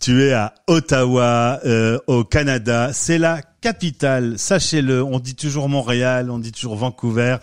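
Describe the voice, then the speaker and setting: A male podcast host, who questions his guest playfully and teases her. He has a mid-pitched voice, and the recording is dry and close. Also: normal speed, few pauses, clean tone, no echo. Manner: playful, teasing. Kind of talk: podcast interview.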